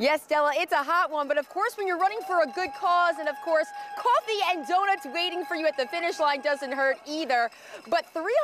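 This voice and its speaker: A woman speaks at a fairly quick pace in an extremely high pitch with ordinary pitch variation. The sound is dry with no echo, and faint music plays in the background. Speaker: TV news reporter. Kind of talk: news report. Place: street. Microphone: handheld.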